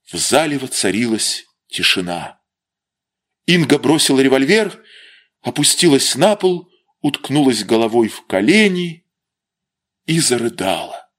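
A man narrating a literary story in a slow, expressive, dramatic reading. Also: medium pitch.

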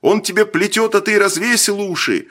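A man voicing a hot-tempered young army captain who scolds and shouts sarcastically. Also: high voice, normal speed, pitched above the performer's own voice. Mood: angry.

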